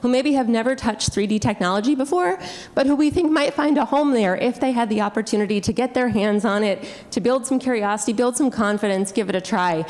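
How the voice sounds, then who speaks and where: Enthusiastic higher-voiced woman panelist. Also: a little fast. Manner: bright, enthusiastic, eager. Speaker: panelist, nonprofit director. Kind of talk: self-introduction on a panel.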